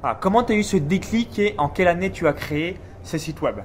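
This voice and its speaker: A man hosting a casual business interview at a seminar, explaining and coaching listeners in a brisk way. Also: high-pitched, slight background noise. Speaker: YouTube interviewer and host. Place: seminar venue.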